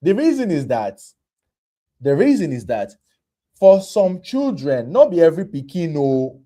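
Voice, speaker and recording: A man's voice: a little high, very animated, measured pace, mellow. A man with a Nigerian accent hosts a live online health stream. He moves between Nigerian Pidgin and English in a conversational way. He drives points home with repetition and short tag questions. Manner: emphatic, repeats phrases, tag questions.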